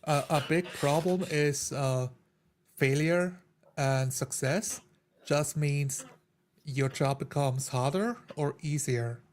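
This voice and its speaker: A man's voice: a little high, takes it slowly, a little hiss or hum. A man talking casually as a player in a discussion about tabletop roleplaying.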